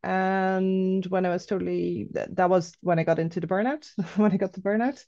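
A woman's voice: mid-range voice, steady tone, normal speed, warm tone, no room sound, dull audio. A woman in her thirties from the Netherlands with an Irish accent and Dutch as her first language, talking as a guest on a video call outdoors, hesitant with many ums. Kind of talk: casual interview over video call. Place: outdoors by trees.

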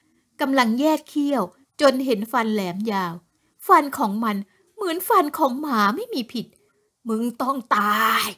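Woman, horror story narration, bright tone, expressive storytelling. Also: high-pitched, moderate pace.

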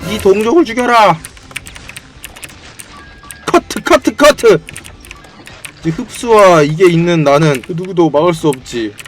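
A male game streamer giving excitable, playful let's-play commentary, full of slangy quips and sudden shouts. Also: high-pitched, unhurried, pauses often, a little hiss or hum. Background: faint game music.

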